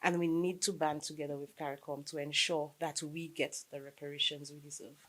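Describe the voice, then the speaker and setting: Woman, low voice, earnest, emphatic, morning show guest. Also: little pitch movement, brisk, heavy background noise. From Saint Lucia. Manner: earnest, emphatic, rising to passionate points. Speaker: reparations advocate guest.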